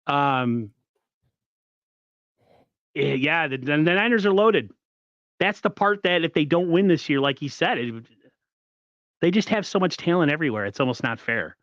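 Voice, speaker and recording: A man's voice: on the high side, expressive, moderate pace, pauses often, fairly bright tone, no room sound. A man co-hosting a casual sports podcast, with a froggy voice, chatting and reading out viewer comments. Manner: talkative, reads viewer comments aloud. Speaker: podcast co-host. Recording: slightly dull, dry audio.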